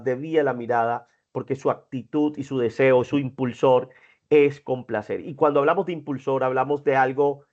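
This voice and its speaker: A man's voice: mid-range voice, a little mellow. A man giving a didactic lecture to teachers, listing traits one by one and checking in with his audience. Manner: explanatory, lists traits one by one, checks in with "right?". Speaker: lecturer at a faculty development talk. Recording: dull lo-fi recording.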